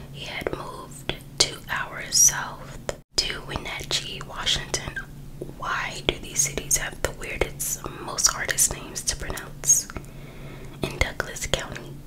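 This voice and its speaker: A woman with an American accent whispering breathily as she reads a book aloud in ASMR style, with casual asides. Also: rough recording. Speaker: ASMR host reading a true crime book aloud.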